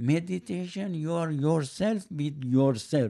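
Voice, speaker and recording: A man's dark, mellow voice with a strong Persian accent and lively intonation, over a quiet background. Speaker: father of host. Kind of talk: casual chat. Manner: halting.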